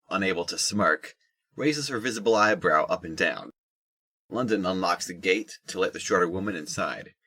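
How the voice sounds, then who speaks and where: A man narrates a scripted audio drama. His voice is low and rough-edged, with a forceful, present tone.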